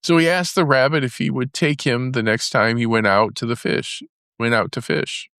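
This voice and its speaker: A man narrating a fairy tale as a storybook, in a measured storytelling manner. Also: mid-range voice, steady tone, a bit bright, clear, resonant tone, no echo, studio quality. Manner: measured storytelling with character voices for dialogue.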